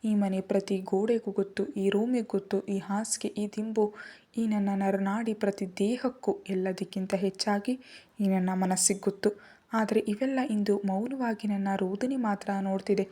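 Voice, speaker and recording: Woman doing a heartbroken young wife, pleading, anguished, warm storybook voice. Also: medium pitch, fairly even intonation, normal speed, natural voice.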